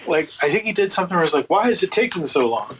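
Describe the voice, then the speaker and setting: A man's voice: high voice, fast talker, a little hiss or hum. A man telling a story casually as an interview guest, incredulous and sardonic, acting out the conversations he quotes. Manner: animated retelling with acted-out quotes, incredulous and sardonic. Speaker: interview guest, audio book producer.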